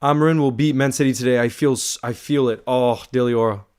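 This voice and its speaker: Young man, livestream host, casual fan chat, excited, mid-pitched. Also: fast talker, smooth. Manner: hyped, calls viewers bro, many you-knows.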